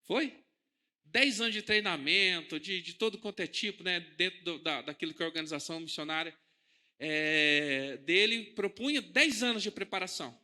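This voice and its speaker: A preacher with a Brazilian Portuguese accent delivers a sermon in a church hall at a normal speed, his voice sitting high. Talking conversationally, he questions the congregation and shifts back and forth between quiet and loud passages.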